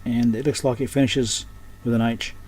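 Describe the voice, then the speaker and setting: Man thinking aloud, clearly noisy recording. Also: mid-range voice, little pitch movement, moderate pace, darkish tone. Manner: unscripted, thinking aloud while working. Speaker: host of an electronics repair channel. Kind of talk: casual hands-on repair commentary.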